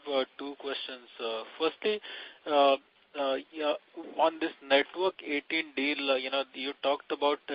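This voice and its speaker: A male financial analyst asks questions over a muffled phone line. His voice sits at a middle pitch, and he speaks hesitantly, in halting and broken phrases. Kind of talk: asking questions on an investor call.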